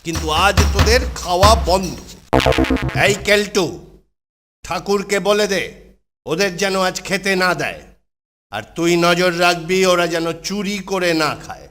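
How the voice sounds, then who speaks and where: A man's voice: sits high, measured pace, bright, forceful tone. A man voicing a stern, grumpy older hostel master who scolds and orders in a children's cartoon. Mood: angry scolding. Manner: scolding, commanding. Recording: music behind the voice.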